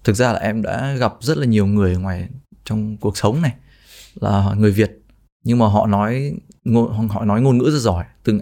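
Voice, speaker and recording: A man's voice: on the low side, darkish tone. A young man speaking as a podcast guest in casual chat, plain and modest.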